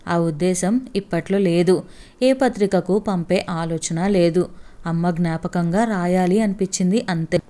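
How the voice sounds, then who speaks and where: A woman's voice: lowish voice, measured pace, mellow, lightly acted. A woman voicing a young wife in a read-aloud story, speaking with mild mock annoyance. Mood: mock-cross. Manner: mock-cross, then amused.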